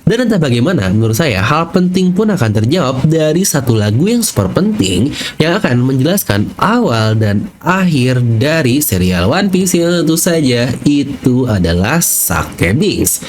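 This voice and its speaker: Indonesian male YouTube narrator, very animated mid-range voice, chatty and playful, slight noise behind. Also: medium pitch, normal speed. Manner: chatty, playful, addresses viewers directly. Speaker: YouTube channel host. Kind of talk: anime theory video narration with casual slang asides.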